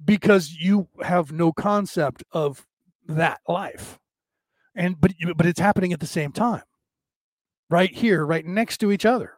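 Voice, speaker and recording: A middle-aged man with a rough, odd-sounding voice, hosting a rambling, casual spiritual talk for a live audience. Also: high-pitched, measured pace, no echo. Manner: rambling, many restarts and fillers. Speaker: livestream host.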